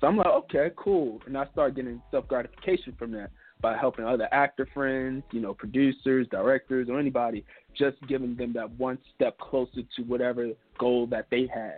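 A man with an American accent and an unremarkable speaking voice talks at a medium pitch with ordinary pitch variation. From Baltimore, Maryland. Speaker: acting coach. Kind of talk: interview.

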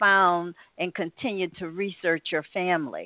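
A woman talks in an unremarkable speaking voice at a medium pitch. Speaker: radio host. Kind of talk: interview. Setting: internet radio show.

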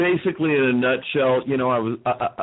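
Speaking in a normal speaking voice with an American accent, a man keeps a medium pitch with ordinary pitch variation. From Las Vegas, US. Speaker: theme park maintenance technician. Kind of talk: casual chat.

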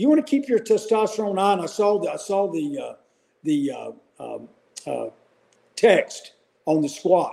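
A man speaks at a fairly slow pace with long, frequent pauses. His loudness swings widely. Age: 60s. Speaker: strength coach. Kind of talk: casual interview chat.

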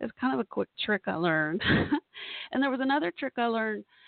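The pace is moderate, with vocal fry throughout. The sound is dry and close, with no echo. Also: woman.

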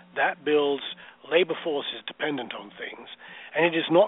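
A fairly high-pitched man with a British accent, lively intonation and a moderate pace. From southern England, west of London. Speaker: author. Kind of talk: radio interview, book talk. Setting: remote call.

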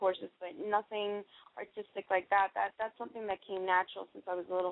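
Speaking fairly quickly, a woman keeps her voice at a medium pitch. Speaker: makeup artist. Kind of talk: radio interview answers, casual. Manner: hesitant, filler-heavy.

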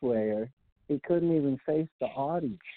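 An ordinary speaking voice with an American accent shows ordinary pitch variation. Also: man. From Michigan (Saginaw/Bay City). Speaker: musician. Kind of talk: casual interview.

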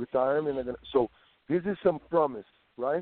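Speaking with a Brazilian accent, a man uses a medium pitch with ordinary pitch variation. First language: Portuguese. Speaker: fighters' rights advocate. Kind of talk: casual interview. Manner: halting.

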